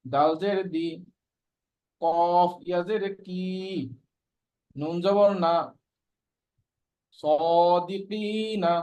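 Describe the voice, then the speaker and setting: A male student in an online class, reciting Quran letters slowly and carefully, letter by letter. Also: high voice, steady tone, highs cut off. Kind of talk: spelling out Quran letters aloud.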